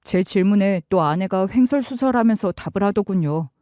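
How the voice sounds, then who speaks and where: A woman giving calm, scripted first-person story narration as a story narrator. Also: mid-range voice, fairly quick, no echo, clean studio sound.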